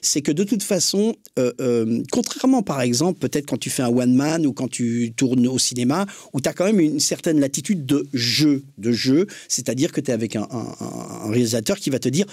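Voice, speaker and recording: A man's voice: mid-range voice, lively intonation, moderate pace, hardly any pauses, a little mellow, breathy edge, no room sound, clean studio sound. A man taking part in a casual panel discussion, making his points emphatically and repeating key phrases.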